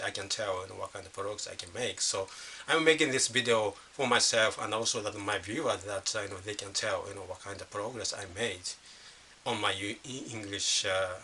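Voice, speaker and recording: Halting middle-aged Japanese man, bright edge. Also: lowish voice, a little hiss or hum. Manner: halting, leans on constant "you know" fillers and restarts. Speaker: vlogger. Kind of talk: unscripted casual monologue.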